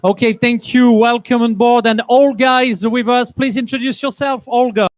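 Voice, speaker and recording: A man hosting a live event on stage as an energetic emcee who hurries people along. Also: very high-pitched, moderate pace, no room sound. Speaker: event host.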